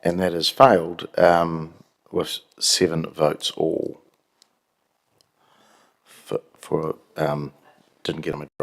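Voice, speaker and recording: A man with a New Zealand accent, the mayor, chairing a council meeting in a brisk procedural way with dry asides. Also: a bass voice, little pitch movement, creaky. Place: council chamber.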